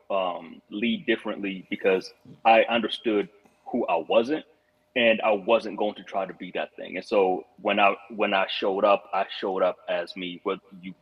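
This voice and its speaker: A man's voice: lowish voice, husky. A man from Rwanda, a guest on a podcast, telling his story in a reflective, earnest way with frequent restarts. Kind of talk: casual podcast conversation. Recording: muffled lo-fi audio.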